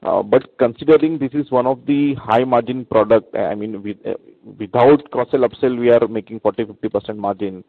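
A man's voice: medium pitch, a little fast. A man with an Indian accent asking a question as an analyst on an earnings call, polite and hesitant. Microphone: telephone conference call. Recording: narrow phone line with some room echo.

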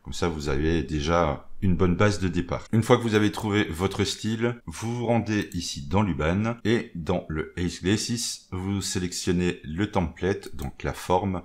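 A man talking through a software tutorial in a relaxed way, narrating each step as he goes with little interjections and stumbling over English terms. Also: low voice. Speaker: maker explaining a software tool. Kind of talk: screen-recorded tutorial.

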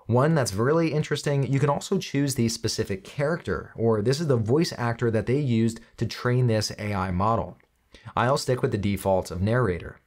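A man in his thirties presents a step-by-step tutorial with a medium-pitched voice. He addresses the viewer directly and explains each action in an instructional way, close on the microphone. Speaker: tutorial host.

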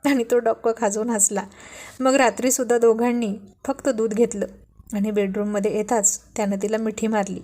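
A woman narrating a romance serial with steady, expressive reading. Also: a little high, normal speed. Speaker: storyteller.

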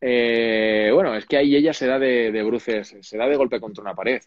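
A man's voice: medium pitch, moderate pace, no echo, muffled recording. A man in his thirties from Madrid with a Castilian Spanish accent, an actor chatting animatedly as an interview guest over a video call. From Madrid, Spain. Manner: animated, chatty, with many restarts. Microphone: video call, laptop or phone mic.

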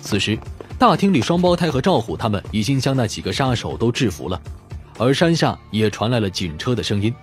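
A man's voice: medium pitch, big pitch swings, a little fast, soft background music. A man reading a crime novel as a scripted, dramatic audiobook narration.

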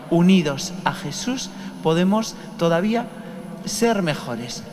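A Catholic priest with a fairly high-pitched male voice and a Spanish accent from Spain leads Mass, delivering a homily and liturgical prayers. He is indoors in a large stone cathedral, and the recording carries a long cathedral echo along with noise.

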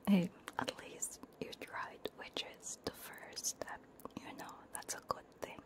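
A woman chatting casually to viewers as an ASMR streamer, in a soft, often whispered voice with a playful manner, very close to a binaural microphone. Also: takes it slowly. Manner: playful, giggly. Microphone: close binaural ear microphone.

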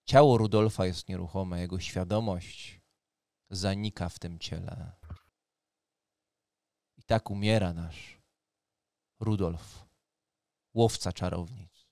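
A man's voice: low voice, steady tone, slow pace, vocal fry, long pauses, mellow, no room sound, studio quality. A man working as game master, narrating a tabletop roleplaying game in a dramatic storytelling manner. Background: music.

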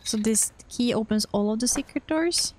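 A woman's voice: on the high side, normal speed, a little mellow, a little hiss or hum. A young woman streaming a game, musing aloud with murmurs and casual reactions. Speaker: gaming streamer. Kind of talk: casual let's-play commentary.

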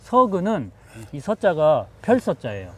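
A man, a herbal medicine professor, lively and teacherly, explaining herbs outdoors on a farm and quizzing the people with him. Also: on the high side, measured pace, a crowd in the background.

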